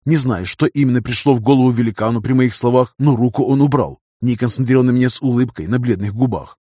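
A man narrating a first-person audiobook in a steady, even storytelling manner. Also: medium pitch, fast, husky, no echo.

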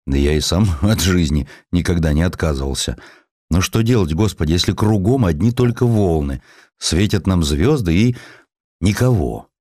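A poor, worn-out former sailor , acted by a male reader, speaks in a deep voice with blunt, salty plainness. He is gruff and proud yet kind-hearted, and his pitch moves freely in a dry, close audio-story recording. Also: expressive, moderate pace, warm tone, no room sound. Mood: earnest storytelling.

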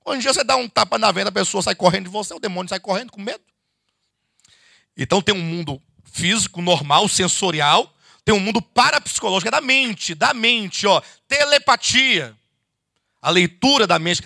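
A lively, high-pitched male preacher from Brazil, his voice gravelly yet bright and cutting. He teaches his congregation in a chatty sermon, swooping up and down as he throws out one rhetorical question after another. The recording is close and dry. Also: fairly quick, no echo. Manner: animated, rhetorical questions, addresses listeners as "queridos". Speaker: bishop teaching a Bible study. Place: church meeting hall.

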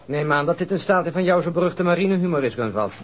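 An actor playing a tired, irritable police detective in a radio drama, terse and full of disgust. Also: male voice, fairly high pitch, lively intonation, quick pace, close to an everyday voice. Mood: irritated. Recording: noisy old radio drama recording.

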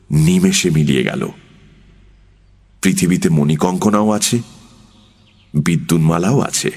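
Slow, deep-voiced male narrator. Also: a little mellow. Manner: measured, unhurried storytelling. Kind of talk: audiobook narration.

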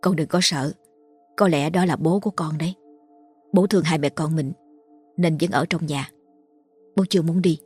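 A woman's voice: sits low, moderate pace, pauses often, darkish tone, breathy edge, soft background music. Woman voicing a grieving, frightened widowed mother. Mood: soothing. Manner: pleading, tearful.

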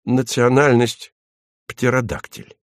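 A man voicing a timid, tender-hearted male commandant who speaks softly and hesitantly. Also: medium pitch, flat delivery, takes it slowly, no echo, studio quality, voice pushed up, natural voice. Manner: soft and hesitant.

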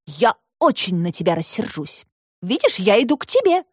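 A woman's voice: very animated, moderate pace, breathy edge, no room sound, studio quality. A woman doing a bold, ringing young girl. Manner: high, ringing and insistent. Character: brave, determined young girl explorer.

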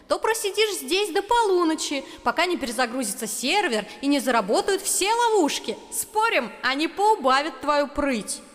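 A fiery, competitive young woman gamer, as a male narrator puts her on, shrill and high. She shouts and taunts in a lively, piercing way, with a long reverb trailing behind her in a storybook reading.

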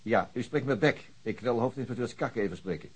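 An actor playing a curt, sardonic senior police investigator in a radio play, with a husky voice. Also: male voice, medium pitch, a little fast, lightly acted. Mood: businesslike. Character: wry, businesslike male senior police investigator.

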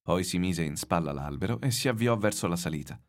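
A man reading a novel aloud in measured, expressive literary narration. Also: sits low.

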